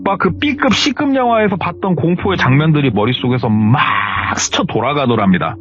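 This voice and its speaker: A man retelling a viewer's horror story in an animated, conversational way. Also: on the high side, moderate pace, soft background music. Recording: slightly muffled lo-fi recording.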